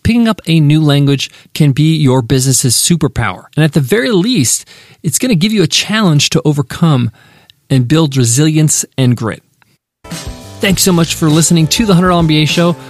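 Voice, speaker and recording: Upbeat high-voiced male podcast host. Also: lively intonation, normal speed, no echo. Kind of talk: podcast ad read and lesson wrap-up. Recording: faint guitar music behind. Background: faint guitar music.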